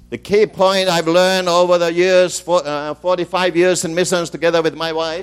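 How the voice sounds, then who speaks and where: A man speaks in a high pitch with monotone, flat intonation. He hardly pauses at all. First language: English (speaking Japanese). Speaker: missionary preacher. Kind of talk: sermon delivered through an interpreter. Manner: halting, in short phrases for interpretation.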